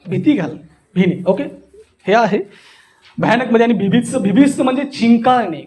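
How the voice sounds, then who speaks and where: A man's voice: extremely high pitch, expressive, moderate pace, a little mellow. A man from Maharashtra leading a spoken workshop as a voice trainer, demonstrating theatrically and putting questions to his students. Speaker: voice modulation trainer, anchor and voice artist.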